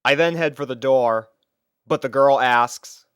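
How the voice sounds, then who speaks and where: A man's voice: mid-range voice, a little slow, a bit bright, clean tone, no echo, clean studio sound. A young man reading a scripted first-person story as its narrator.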